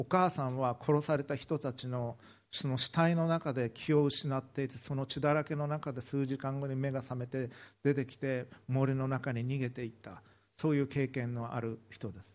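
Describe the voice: A man at medium pitch and a moderate pace. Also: fairly even intonation.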